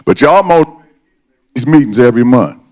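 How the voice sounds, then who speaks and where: An older man, sixty or more, gives a podium speech as a resident at public comment. His voice is mid-pitched, and he testifies from personal experience in an emphatic, fired-up, combative way. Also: expressive, a little fast, a little mellow. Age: 60s or older. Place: council meeting room, at a podium.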